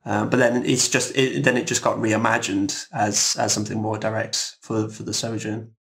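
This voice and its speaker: A man speaking casually as a composer guest in a roundtable interview, explaining things in a halting, thoughtful, rambling way. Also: on the low side, flat delivery, creaky, a bit bright.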